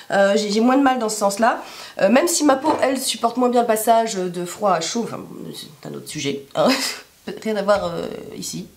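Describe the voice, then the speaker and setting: A woman with a hoarse smoker's rasp being sick, chatting casually to camera in a rambling, self-deprecating way full of asides. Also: medium pitch, a little mellow. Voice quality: raspy smoker's rasp from illness. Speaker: YouTube vlogger.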